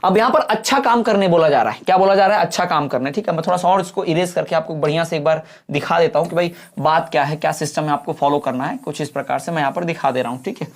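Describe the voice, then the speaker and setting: A man teaching an online exam-prep grammar class, checking in often and spelling out English examples slowly, word by word. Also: on the high side.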